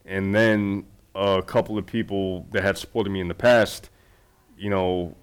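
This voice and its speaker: Lower-voiced man, loose and rambling. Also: fairly even intonation, a little slow, smooth. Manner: loose, rambling, fillers and restarts. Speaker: documentary filmmaker. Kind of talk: casual conversation.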